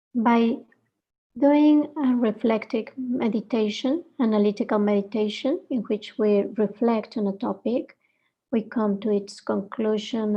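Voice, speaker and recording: A woman leading a guided meditation, speaking gently in short phrases with reflective pauses between them. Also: mid-range voice, creaky, lo-fi sound.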